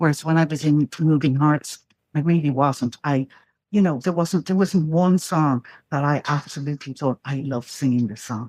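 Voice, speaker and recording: A woman with a Dublin accent, very deep and low in pitch, ordinary in pitch variation and moderate in pace, in a dry, close sound with no echo and a quiet background. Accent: Irish (Dublin). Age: 60s. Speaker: singer and actress. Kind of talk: casual interview chat. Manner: halting, many restarts.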